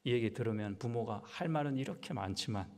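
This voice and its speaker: A male pastor preaches a sermon in a church sanctuary, his medium-pitched voice animated and fairly quick. He talks conversationally, throwing rhetorical questions at the congregation, while the hall adds a long reverb.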